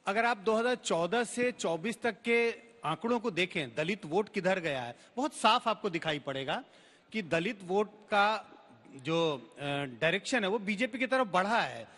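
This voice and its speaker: A man political analyst on a TV panel, speaking in a measured way with some thinking fillers. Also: high-pitched, expressive, a bit bright, long reverb tail.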